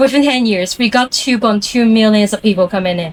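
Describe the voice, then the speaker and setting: Noticeable background noise accompanies a woman whose intonation is lively as she talks fairly quickly. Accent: Hong Kong. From Hong Kong. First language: Cantonese. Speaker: tour guide. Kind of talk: guided walking tour talk. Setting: outdoors. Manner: fast.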